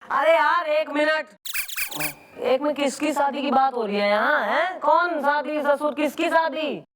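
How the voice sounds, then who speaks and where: A brash police officer. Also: female voice, high-pitched, unhurried, a bit bright. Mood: mocking. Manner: blunt, mocking, rural dialect. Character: brash female police officer, bossy and sharp-tongued.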